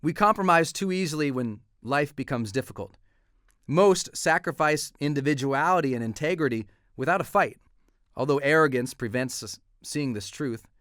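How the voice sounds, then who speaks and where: A man's voice: fairly high pitch, normal speed, fairly bright tone, no room sound, clean studio sound. A man reading a motivational manifesto in a declamatory way. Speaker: reader.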